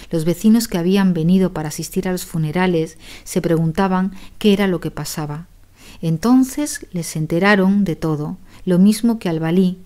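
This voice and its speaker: A woman reading a storybook aloud as an audiobook narrator, in a measured, dramatic way. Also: on the low side, dark tone.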